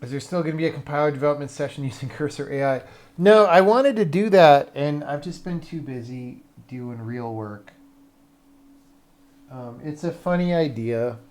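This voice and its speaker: A man's voice: on the high side, normal speed, darkish tone. A man who hosts a game development livestream, chatting casually in a dry, grumbling, offhand way.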